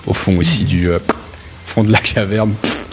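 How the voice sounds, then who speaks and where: A man's voice: lowish voice, normal speed. A man narrating a tabletop role-playing game as game master, informally and with relish for gory detail. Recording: music laid under the voice. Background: background music.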